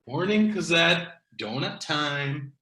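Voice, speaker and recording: A man playing a grumpy, antisocial, dryly sarcastic repairman in an animated comedy table read. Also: on the high side, slow, heavily acted. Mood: casual. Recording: echoey room.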